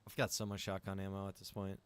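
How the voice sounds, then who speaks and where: A man's voice: low-pitched, monotone, quick pace, smooth. A man talking casually and easily to viewers as he hosts a live gameplay stream, chatty and direct. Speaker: game streamer and server admin.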